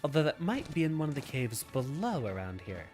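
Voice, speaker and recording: A man's voice: medium pitch, very animated, brisk, a little mellow, soft background music. A man streaming a video game with a stuffy, slightly nasal nose, musing aloud in an easygoing way and answering viewers' questions.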